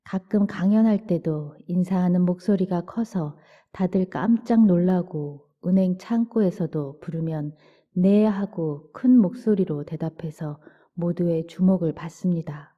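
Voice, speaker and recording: A low-pitched woman reads a book aloud for listeners drifting off to sleep. Her delivery is soft, unhurried and gentle, at times sinking almost to a whisper. The recording sounds dull and lo-fi. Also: husky. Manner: soft, slow and gentle, sometimes near a whisper. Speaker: audiobook narrator. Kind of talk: calm bedtime book reading. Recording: dull lo-fi audio.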